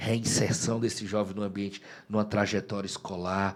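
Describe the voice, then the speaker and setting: Speaking in a monotone, flat intonation at a moderate pace, a man's voice sits fairly low. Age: 30s. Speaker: politician, state labour secretary. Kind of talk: interview.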